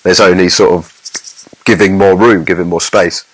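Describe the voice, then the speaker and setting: A man's voice: sits low, steady tone, normal speed, breathy edge, poor audio. A man co-hosting a podcast as a mix engineer, giving casual technical explanations in an informal, rambling way full of examples.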